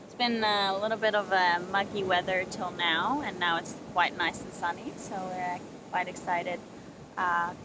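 A woman vlogging casually to a handheld camera at a beach campsite, talking in a relaxed, chatty way full of fillers and restarts. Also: lowish voice. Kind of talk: casual vlog chat to camera. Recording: outdoor noise in background.

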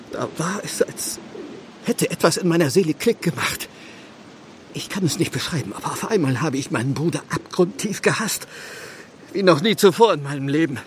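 An actor playing an anguished village clergyman burdened with guilt, speaking gravely and earnestly in a radio play. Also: on the high side, slight background noise, lightly acted. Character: anguished, guilt-ridden English village clergyman confessing murder. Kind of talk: German radio play acting.

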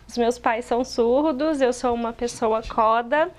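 A woman's voice: a little high, a little slow. A woman in her forties, a sign language interpreter, speaking steadily and explaining on a TV talk show, recorded in a studio on a lapel mic. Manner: steady, explanatory, with frequent restarts. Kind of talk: TV talk show guest, voicing a deaf guest's answers.

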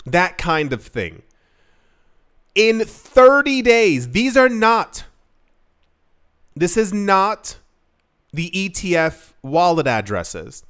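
A man with a high voice talks straight to camera in a casual vlog. He is earnest and emphatic, circling his point with constant fillers and false starts, speeding up and slowing down as he presses on. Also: sing-song, a bit bright, clean tone. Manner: rambling, many "like" fillers and restarts; earnest, emphatic, shifts pace often. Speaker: crypto investing vlogger.

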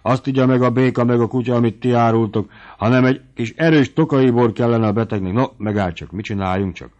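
A man voicing an irascible old country squire who barks orders in shouting tirades. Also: mid-range voice, pitched above the performer's own voice, close to an everyday voice. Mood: gruff. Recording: dull lo-fi audiobook recording.

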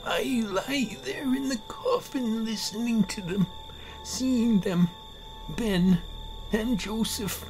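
A man reads a horror tale in the first person with brooding, theatrical delivery. He takes it very slowly, in a mid-pitched voice, over prominent music. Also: darkish tone, rough recording. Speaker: narrator, amateur voice actor. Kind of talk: dramatic first-person horror story narration.

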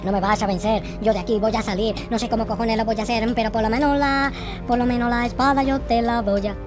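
A woman's voice: a little high, fairly even intonation, quick pace, over music. A woman hosting a gaming video, giving theatrical, slangy, profane Minecraft roleplay commentary full of exclamations. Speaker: gaming video creator and host.

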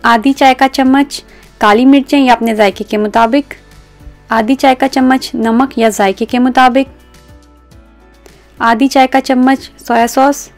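A woman with a fairly high voice narrates a recipe as a cooking host. She explains each step in an instructional way, speaking straight to the viewer. Music plays behind her. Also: steady tone, unhurried, pauses often.

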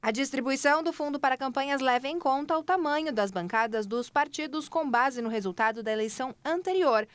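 A woman narrates a news package in a steady, even voice-over. Her voice is a little high and sounds close and dry. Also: a little fast, hardly any pauses, no echo.

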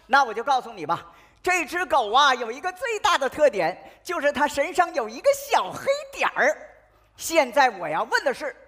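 A woman's voice: sits high, big pitch swings, normal speed, fairly bright tone. A woman performing in a stage comedy sketch, bold and teasing, calling out in a sing-song way. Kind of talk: northeastern comic sketch. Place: stage before a live audience.

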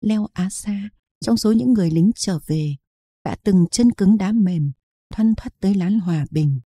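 A woman's voice: mid-range voice, measured pace, mellow, slightly rough, no room sound. A woman narrating a historical novel as an audiobook, reading steadily in a storytelling manner.

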